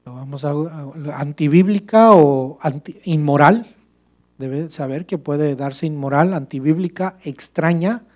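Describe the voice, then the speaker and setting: A male pastor preaching a church sermon with a fairly high voice. He talks in an animated way, asking the congregation questions and calling them brother. His tone keeps rising and falling as he makes each point. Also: a little slow.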